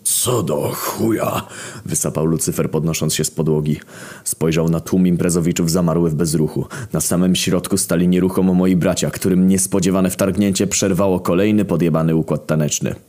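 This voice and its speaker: A young man with a very low, dark voice tells a raunchy comic tale. His delivery is brash and sardonic, and he swears freely as he goes. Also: little pitch movement, fairly quick. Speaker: storyteller. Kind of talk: crude comedic story narration.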